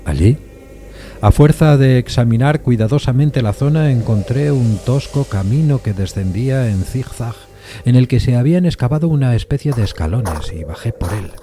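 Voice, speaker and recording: A man giving a measured, literary dramatic narration of a classic suspense story. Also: medium pitch, lively intonation, mellow, slight background noise. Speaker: narrator of an audio fiction adaptation.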